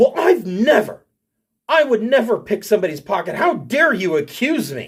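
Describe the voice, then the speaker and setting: A put-on character voice with a fairly high pitch swings very widely in pitch at a moderate pace. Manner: slurred, indignant.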